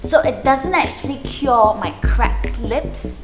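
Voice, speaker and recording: A woman's voice: fairly high pitch, takes it slowly. A woman explaining things as a vlog host in an informal, chatty way, often throwing in rhetorical questions. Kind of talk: casual explanatory video narration. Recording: music behind the voice. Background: music.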